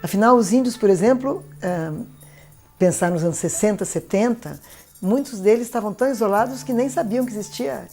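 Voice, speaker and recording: A Brazilian woman explains in interview style with a dark, relaxed voice. Faint music plays behind her. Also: medium pitch, brisk. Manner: explanatory, checks with listener. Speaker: expert commentator.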